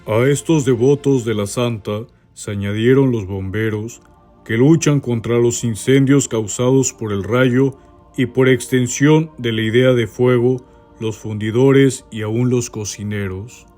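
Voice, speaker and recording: A man with a Costa Rican accent reads a saint's life aloud in a steady, measured devotional manner. His voice is mellow and sits at a middle pitch. Soft music plays faintly behind him. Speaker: reader.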